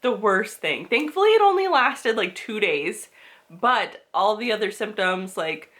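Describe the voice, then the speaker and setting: A woman's voice: medium pitch, lively intonation, unhurried, fairly bright tone. Chatty stuffy-nosed young woman. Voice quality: bubbly and chatty, with frequent "like" and laughs. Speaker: book and lifestyle vlogger. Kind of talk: casual chat to camera.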